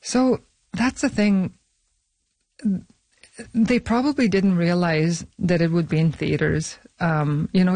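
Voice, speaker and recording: A woman from Saskatchewan, Canada, answering interview questions about her film in a studio, halting often with fillers and restarts. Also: low-pitched, a little mellow, no room sound. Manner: hesitant, many fillers and restarts. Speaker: filmmaker guest. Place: radio studio.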